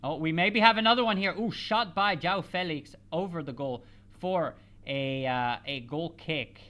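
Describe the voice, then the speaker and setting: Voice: mid-range voice, pushed and bright. Native spanish speaker hosting a match watch-along stream, rambly, lots of restarts, flips between english and french. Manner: rambling, halting, with many restarts and fillers. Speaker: host of a live football watch-along stream. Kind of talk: casual live match chat, answering viewers.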